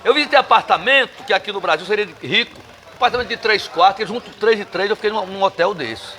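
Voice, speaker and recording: Northeastern Brazilian man, guest: bright, forceful voice, emphatic and combative, swears freely. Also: sits high, fast. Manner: emphatic, combative, salty language. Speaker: interview guest. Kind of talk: casual bar interview. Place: bar.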